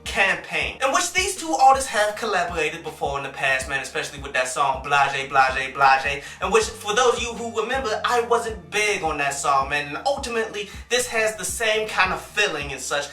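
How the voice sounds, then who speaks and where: High bright-voiced man reviewing music. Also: expressive, moderate pace, hardly any pauses, echoey room, recorded from a distance. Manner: laid-back, peppers talk with "man" and "and such". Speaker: music reviewer and show host. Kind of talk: casual vlog-style commentary.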